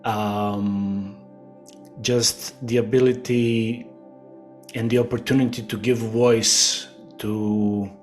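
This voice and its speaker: A middle-aged man from Croatia, a guest speaking slowly and hesitantly with many fillers in a casual interview. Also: lowish voice, little pitch movement, soft background music.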